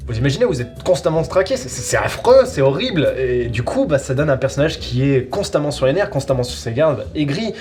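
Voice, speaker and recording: Rambling man reviewer, medium pitch, faint music. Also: sing-song, brisk, few pauses, a little mellow. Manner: rambling, repeats words for emphasis. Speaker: reviewer presenting an audio series. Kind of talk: casual chronicle, semi-improvised.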